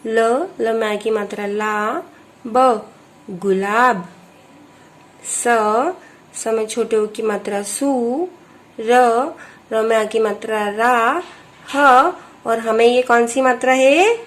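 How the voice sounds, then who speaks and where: A woman teacher leads young children through a phonics lesson. She speaks very slowly, pausing after each letter and vowel sign, in a slightly high voice. Her manner is patient and methodical. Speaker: primary school teacher.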